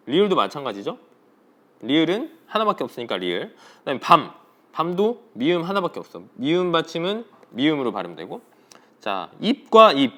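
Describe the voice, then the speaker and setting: A man teaching a middle school Korean lesson, talking directly to his students and asking them questions. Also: on the high side. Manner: lively, talks directly to students and asks for answers. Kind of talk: recorded classroom lesson.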